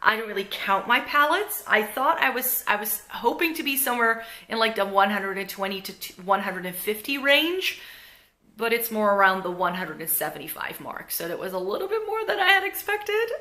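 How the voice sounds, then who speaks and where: A young Dutch beauty vlogger talks casually to the camera in her living room, rambling and using lots of fillers. Her mid-range voice is sing-song, bright and forceful at a moderate pace, with a Dutch accent tinged with American. The camera sits close in front of her.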